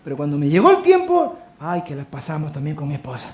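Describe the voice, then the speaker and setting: A man with a Chilean accent preaching a sermon as pastor, moving between loud calls to the congregation and quiet storytelling. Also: on the high side, wildly swooping pitch, fast talker. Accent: Chilean Spanish. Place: church. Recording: echoey church hall.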